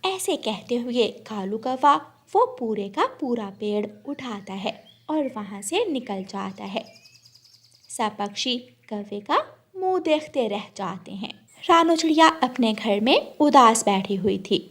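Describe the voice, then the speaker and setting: A woman narrating a cartoon story in a calm, measured storytelling manner. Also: on the high side, husky.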